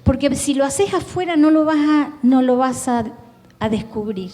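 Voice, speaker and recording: In a church hall, a woman pastor with an Argentine Spanish accent preaches a sermon, earnestly pleading and talking straight to the listener. Her voice is high-pitched, animated, and darkish in tone, at normal speed, with a big-room sound.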